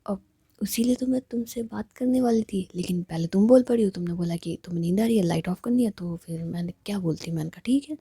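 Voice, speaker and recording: A woman voicing a proud, sulky young woman in love, speaking softly in a half-whisper. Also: medium pitch, fast talker, breathy edge, no room sound, clean studio sound. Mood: coaxing. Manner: soft, half-whispered, sharp when annoyed.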